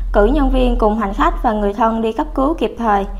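An ordinary speaking voice at a moderate pace. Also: woman. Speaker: news presenter. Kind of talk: news reading.

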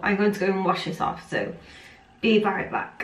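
Putting on a raspy character voice, a woman talks at a moderate pace and medium pitch, with audible echo around her. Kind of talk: casual vlog chat.

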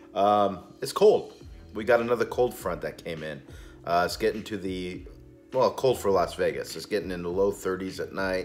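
A man at a moderate pace, with faint music in the background. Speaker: cigar reviewer. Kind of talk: casual vlog chat. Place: home room. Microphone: phone near.

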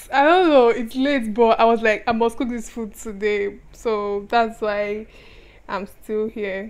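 The pace is fairly slow. A woman is the one talking. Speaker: vlogger. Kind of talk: casual vlog chat. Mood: cheerful, laughing. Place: kitchen. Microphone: phone near.

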